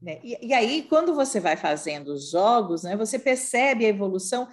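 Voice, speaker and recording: A woman's voice: medium pitch, expressive, moderate pace. A woman from Brazil, a speech therapist moderating a roundtable with patients, explaining and often adding "né?" tags.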